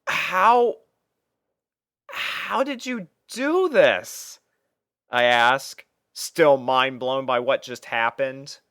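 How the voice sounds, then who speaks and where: A man's voice: medium pitch, animated, drawn-out words, sharp tone, dry recording, clean studio sound. A man reading a first-person fan fiction story as narrator, dramatising the character's thoughts.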